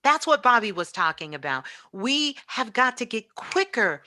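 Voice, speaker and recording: A woman's voice: on the high side, very animated, normal speed, bright, forceful tone. A woman giving an impassioned spiritual talk as a guest teacher, emphatic and repetitive like a preacher.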